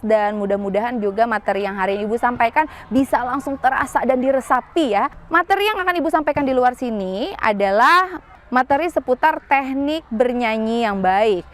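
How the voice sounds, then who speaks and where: Brief: young female music teacher, Banjar-tinged accent, high bright pitch, patient and explanatory, outdoors at school. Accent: Banjar-inflected Indonesian. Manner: patient, explains step by step with rhetorical questions. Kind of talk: outdoor singing lesson to students.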